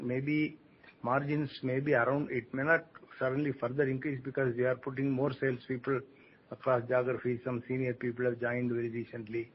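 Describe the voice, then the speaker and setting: A man answering analysts as a company executive on an earnings call, speaking haltingly and often rephrasing. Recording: muffled conference call line, noisy rumble.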